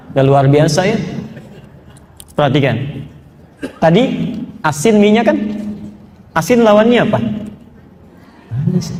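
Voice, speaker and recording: Male preacher, high voice, animated storytelling sermon, echoey hall with faint background noise. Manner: animated storyteller, asks the audience questions. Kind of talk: sermon storytelling to a live audience. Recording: reverberant hall with faint ambience.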